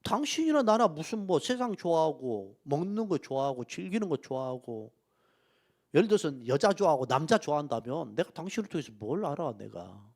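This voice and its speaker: Male pastor, middle-aged, lively higher voice, sermon with hushed asides and loud emphatic peaks. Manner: emotional storytelling, swinging from soft asides to loud emphatic peaks. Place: church sanctuary.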